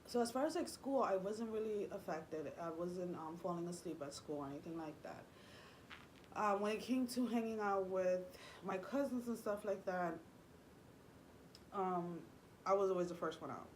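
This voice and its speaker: A woman's voice: mid-range voice, lively intonation, normal speed, a little hiss or hum, rough recording. A young woman, a native Spanish speaker, telling a personal story in a rambling, confiding way with many fillers and restarts. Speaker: vlogger.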